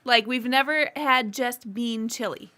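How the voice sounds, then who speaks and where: A woman's voice: fairly high pitch, measured pace, bright, forceful tone. A woman co-hosting a podcast, telling stories in light, casual chat. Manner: light and chatty, tells stories. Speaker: podcast co-host.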